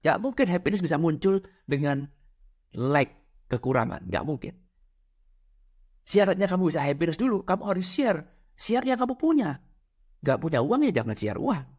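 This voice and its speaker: A man's voice: a little high, a little mellow. A man giving a motivational talk on money and happiness, asking rhetorical questions, acting out little scenes and mixing in English words. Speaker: financial and spiritual coach.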